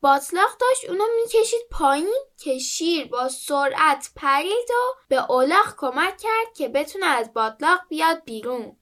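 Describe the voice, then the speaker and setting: A woman reading a children's story aloud in an expressive storytelling manner. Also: sits high, few pauses.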